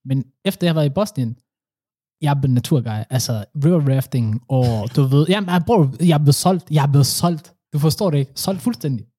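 A young man co-hosting a casual chat, telling animated stories with slang. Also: fairly high pitch, slightly rough, no echo, studio quality.

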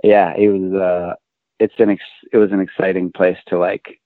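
Low-voiced American man on a tinny line. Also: flat delivery, moderate pace, no echo. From Maryland, USA. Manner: rambling, profane, self-deprecating. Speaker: comedian guest. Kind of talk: casual anecdotal chat. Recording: narrow tinny phone-like line, dry.

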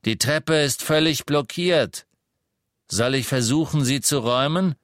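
A man voicing a cool, matter-of-fact dark wizard. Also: medium pitch, a little slow, no echo, studio quality, pitched above the performer's own voice, lightly acted.

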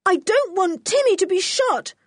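A woman's voice: high-pitched, sing-song, moderate pace, a bit bright, dry recording, studio quality, voice pushed up. A woman voicing a brave, stubborn tomboy girl with a defiant, urgent manner in a storybook. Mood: terrified.

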